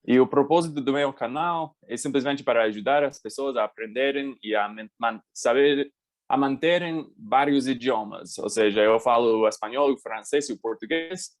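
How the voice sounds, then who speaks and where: Guest voice: American man, native English speaker, mid-pitched, halting second-language delivery. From United States. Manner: halting, restarts words while searching. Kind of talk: casual interview.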